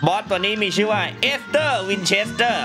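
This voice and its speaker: Young male game streamer, high and animated, boastful and sweary, sore-mouthed after wisdom teeth removal, loud music behind. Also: slow. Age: young adult. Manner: excitable, sarcastic, mock boasting, swearing. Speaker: gaming YouTuber. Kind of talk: gameplay commentary. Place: small room indoors at a gaming desk.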